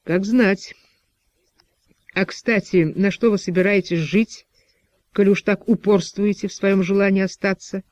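A man's voice: high-pitched, steady tone, measured pace, long pauses, darkish tone, dry recording. A man voicing a stern postwar official who interrogates with pressing, insinuating questions.

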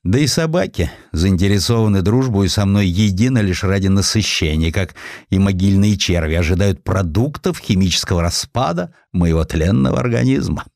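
A proud, cynical male inventor as a male narrator acts him out holds forth in an audiobook drama. He declaims with sardonic emphasis, his pitch swinging high and wide. The sound is dry. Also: expressive, moderate pace, creaky, darkish tone, no room sound. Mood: bitter, sardonic.

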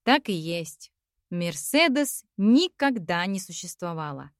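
A woman's voice: fairly low pitch, sing-song, slow pace, no echo, clean studio sound. A woman reading a first-person novel aloud in a reflective, wry manner. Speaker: audiobook narrator. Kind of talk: first-person literary narration.

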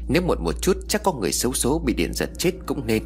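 Expressive male storyteller. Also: medium pitch, fast talker, faint music behind. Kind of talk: dramatic scripted narration of a ghost story.

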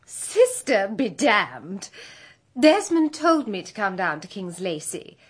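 A woman's voice: medium pitch, wildly swooping pitch, slow, husky, heavily acted. A woman playing a brazen, cynical young jewel thief in a radio drama, bold and mocking. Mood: cynical, bitter. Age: young adult.

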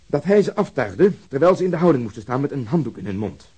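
An actor playing a blunt, bitter police officer in a radio drama, with a husky, emphatic delivery. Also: male voice, medium pitch, very animated, quick pace, warm tone. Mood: indignant.

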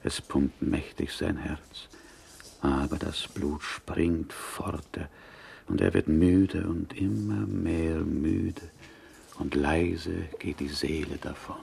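An actor playing a fretful, devout Jewish butcher in prison in a radio play, with Yiddish-inflected German and a plaintive singsong. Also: male voice, a bass voice, slow, creaky, a little mellow, slightly rough, full character voice. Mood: brooding, absorbed. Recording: hissy, clicky 1970s radio recording.

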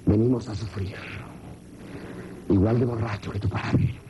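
A man's voice: steady tone, measured pace, background noise, close to an everyday voice. A man doing a gloomy lamenting mother. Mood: mournful. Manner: mournful, low and fatalistic. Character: gloomy mother lamenting to her young son.

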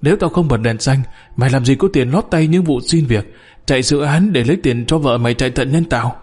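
A man's voice: medium pitch, a little fast, a little mellow, slightly rough, lightly acted. A man voicing a dying, greedy old official who wheezes, begs and curses. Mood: reproachful. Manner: wheezing, pleading, cursing.

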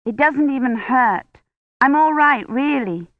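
A woman's voice: sits high, animated, measured pace, dry recording, pitched above the performer's own voice, full character voice. An earnest young woman historian, voiced by a woman reading a novel, eager and reassuring in tone. The recording is dry and close, with a slightly dull, lo-fi sound.

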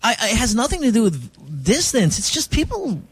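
A man hosting a radio call-in show who talks in a brash, teasing and deliberately rude way. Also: extremely high pitch, very animated, breathy edge. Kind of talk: casual radio banter.

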